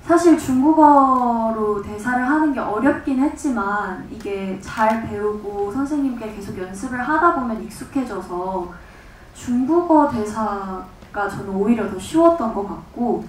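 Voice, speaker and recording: A woman actress with a slightly high voice answers reflectively and softly. Her voice sounds distant, with strong hall echo and faint noise. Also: animated, a little slow. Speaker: actress at a press conference. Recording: echoey hall from far off.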